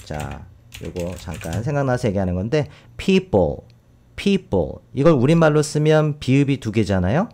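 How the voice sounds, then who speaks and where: Man, teacher, recorded lesson, lively pitch, slow repeated word drills, keyboard typing behind. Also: slight background noise. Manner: explains step by step, models English words slowly and repeatedly. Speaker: English teacher. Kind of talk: recorded vocabulary and pronunciation lesson.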